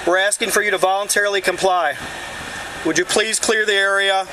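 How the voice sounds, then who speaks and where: An American man working as a law enforcement officer makes formal, measured announcements, polite but firm in his commands. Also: sits high, steady tone. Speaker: law enforcement officer giving dispersal orders. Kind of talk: formal public announcements and radio updates. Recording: noisy outdoor bodycam, loud vehicle noise. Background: vehicle and street noise.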